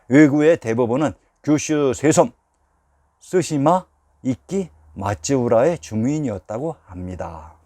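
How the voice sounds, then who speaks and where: A man narrating a scripted history lecture at a measured pace, putting rhetorical questions to the viewers. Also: mid-range voice, dark tone, no echo.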